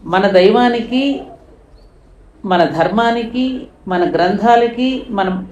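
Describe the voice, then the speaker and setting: A woman's voice: mid-range voice, slow, darkish tone, roomy sound, low-quality recording. Impassioned older woman telling a story. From India. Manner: impassioned, rising to emphatic peaks. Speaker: guest speaker. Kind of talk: storytelling in an interview.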